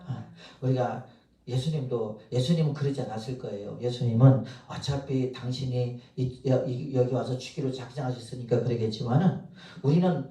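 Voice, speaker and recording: A man's voice: medium pitch, normal speed, mellow. A man preaching a sermon as pastor, telling stories and acting out the people he quotes, chuckling now and then. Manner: storytelling, acts out quoted voices, chuckles. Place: church sanctuary. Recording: echoey, from far off in a church hall.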